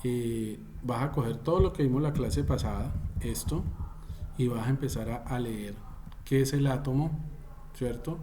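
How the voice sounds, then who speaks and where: A man's voice: mid-range voice, normal speed, dark tone, slight background noise. A man teaching an online class over a video call, repeating and restating his points and calling on students by name.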